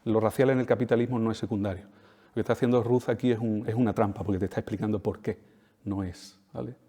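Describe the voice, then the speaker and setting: A man's voice: fairly low pitch, fairly even intonation, fast, warm tone. A man from giving an emphatic lecture, repeating key phrases and checking in with tag questions. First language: Spanish. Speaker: speaker at a talk. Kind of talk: lecture to an audience. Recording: reverberant hall.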